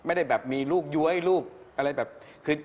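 A man's voice: fairly high pitch, fairly quick, a little mellow, big-room sound, muffled recording, a little hiss or hum. A man giving a casual, explanatory critique of a singer's performance, laughing often. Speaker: vocal coach giving feedback.

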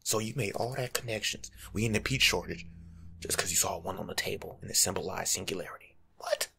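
A young American man giving soft-spoken ASMR advice in a slangy, teasing, lecturing way, often slipping into a breathy whisper. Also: sits low, brisk, a little hiss or hum. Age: young adult. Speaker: ASMR creator playing a life coach. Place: small home room, seated indoors.

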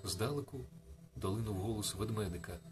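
A man reading a bedtime story on the radio in a calm, soft, reflective manner. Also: fairly low pitch, fairly quick. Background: faint music.

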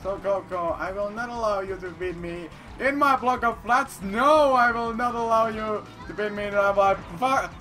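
A man with a high, bright voice gives slow, rambling let's-play commentary, playful and full of repeated phrases. He is not a native English speaker, and he now and then bursts into loud, theatrical declarations. Faint game music plays behind him. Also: vocal fry. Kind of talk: casual gameplay commentary.

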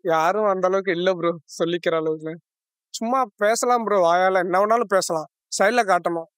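A man's voice: high-pitched, brisk, clear, resonant tone, no room sound, clean studio sound. A young man answering a street interviewer earnestly in casual speech. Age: young adult. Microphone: handheld interviewer mic.

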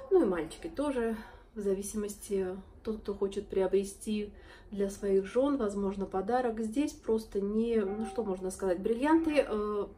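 In a jewelry shop lined with display cases, a woman in her thirties, hoarse from a cold, presents her collection to a close-up, front-facing phone or camera. Her voice is mid-range and dark. It's a casual sales pitch; she's admiring and chatty, calling viewers girls and friends.

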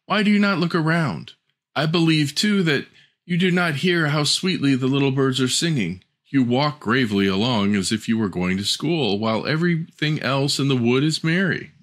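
A man voicing a cunning male wolf in a fairy-tale reading, with a smooth, coaxing manner. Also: medium pitch, normal speed, fairly bright tone, voice pushed up, natural voice. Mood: sly.

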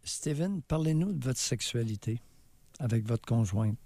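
A man's voice: medium pitch, expressive, unhurried, mellow, no room sound. An older man with a Quebec French accent, co-hosting a radio talk show and asking callers blunt, curt questions. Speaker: co-host, advice-giving talk show doctor.

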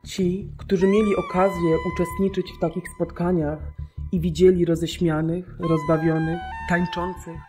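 A woman narrating a scripted documentary radio drama in a measured, solemn, clearly articulated way. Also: lowish voice, level tone. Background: music.

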